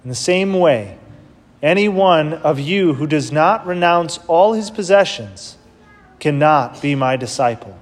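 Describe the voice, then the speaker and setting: A man with a somewhat high voice reads scripture as a priest and then talks through his homily in an easy, conversational manner. The words ring out with the long cathedral echo of a large church. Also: expressive. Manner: measured reading, then plain conversational preaching with fillers. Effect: cathedral echo, long church reverb. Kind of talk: gospel reading and homily at Mass. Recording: long reverb of a big church.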